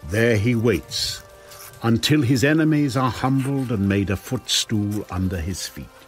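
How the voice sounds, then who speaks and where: A man's voice: medium pitch, a little slow, soft background music. A man narrating dramatized scripture with earnest, emphatic, dramatic phrasing.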